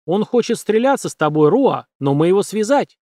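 Man putting on old gypsy guy, broken grammar, hurried, a bit higher. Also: very animated, mellow, no room sound, studio quality. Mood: urgent. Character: old male gypsy servant, broken speech.

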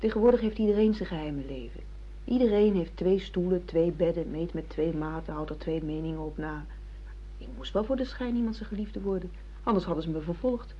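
A woman's voice: fairly low pitch, brisk, slight background noise, natural voice. An actress playing a cool, pragmatic woman, matter-of-fact and self-justifying, in a Dutch radio play. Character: cool, calculating woman, pragmatic sham lover. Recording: dull lo-fi radio play recording.

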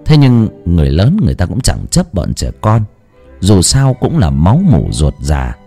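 A male audiobook narrator. He reads with a dramatic, expressive delivery, and his pitch rises and falls very widely. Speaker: storyteller.

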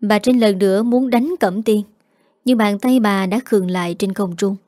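A woman narrating a family drama story in a steady, even reading. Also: mid-range voice, moderate pace, no echo, clean studio sound.

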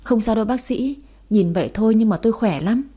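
A woman's voice: on the high side, fairly quick, mellow, slightly rough. Woman voicing a desperate young mother. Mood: pleading. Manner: pleading, tearful. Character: young desperate mother, poor, devoted to her son.

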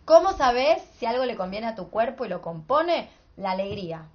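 A woman's voice: big pitch swings, normal speed. A woman with a Rioplatense accent teaching an informal philosophy workshop, emphatic and full of rhetorical questions. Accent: Rioplatense Spanish. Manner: emphatic, rhetorical, asks "entendés?" often. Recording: muffled low-fidelity recording.

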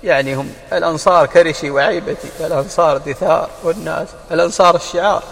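A man teaching the Prophet's biography as a sheikh in an impassioned religious lecture. He mixes classical recitation with colloquial asides, climbs high for emphasis and repeats key phrases. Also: steady tone, fast talker, creaky. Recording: long hall reverb.

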